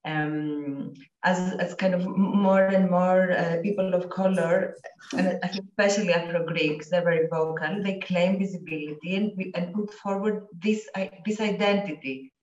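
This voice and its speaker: A woman interviewer asking a long question, halting and restarting as she searches for words. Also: lowish voice, steady tone, a little mellow, roomy sound, recorded from a distance, lo-fi sound.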